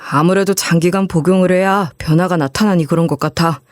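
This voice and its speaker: A woman's voice: on the low side, fairly even intonation, brisk, darkish tone, no room sound, studio quality, close to an everyday voice. A woman voicing a cold, scheming husband who talks curtly and blusters. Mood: plotting.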